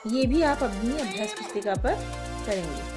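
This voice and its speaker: A woman teacher giving a slow, patient primary school Hindi lesson, spelling words out letter by letter. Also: a little high, animated, music in the background.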